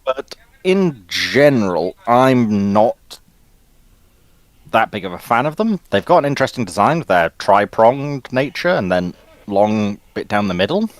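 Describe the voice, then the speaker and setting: Male panelist, fairly low voice, dry recording, informal opinionated chat. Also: very animated, unhurried, dry recording. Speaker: guest panelist. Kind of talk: casual discussion of science fiction ships.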